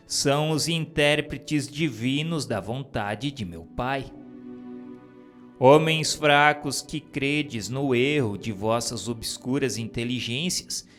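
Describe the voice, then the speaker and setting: A man voicing a solemn divine male spirit who preaches in a grave, measured, declamatory way, with faint music underneath. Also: fairly high pitch, full character voice. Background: soft music.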